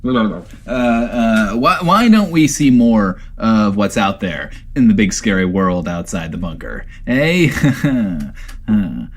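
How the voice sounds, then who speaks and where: An actor playing a neurotic, self-doubting radio host in a post-apocalyptic comedy audio drama, rambling and stammering theatrically. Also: male voice, lowish voice, big pitch swings, takes it slowly, exaggerated voice. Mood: hesitant. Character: neurotic, self-doubting male bunker-dwelling radio host, putting on bravado. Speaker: radio show host character.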